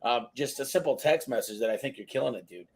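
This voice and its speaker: Rambling energetic man hosting a podcast. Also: medium pitch, fast. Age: 30s. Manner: energetic, rambling, self-deprecating, casual slang. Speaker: podcast host. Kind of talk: casual podcast interview.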